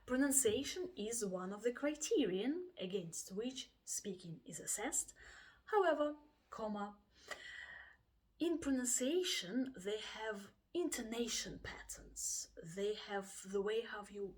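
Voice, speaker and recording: A woman's voice: a little high, animated, a little slow, poor audio. A woman from Russia with a Russian accent, giving a chatty English exam lesson and acting out her students' voices. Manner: chatty, acts out students' voices, frequent laughs. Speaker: IELTS teacher. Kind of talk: casual video lesson.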